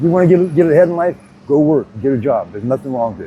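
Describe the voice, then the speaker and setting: A man talking at a very fast pace with ordinary pitch variation, against noticeable background noise. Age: 60s. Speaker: retired ironworker. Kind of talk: casual interview. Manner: halting.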